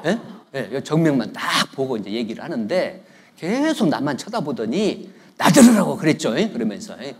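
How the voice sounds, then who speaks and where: Speaking at a moderate pace in a mid-range, slightly rough voice with big pitch swings, this middle-aged man is a visiting pastor giving a conversational sermon in the sanctuary. He jokes, tells stories, and keeps asking the congregation for replies.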